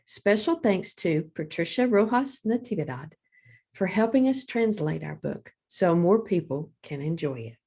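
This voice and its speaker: A woman hosting storytime, reading a children's picture book aloud in a deliberate, expressive storytelling manner. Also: fairly low pitch, husky. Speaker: storytime host, librarian.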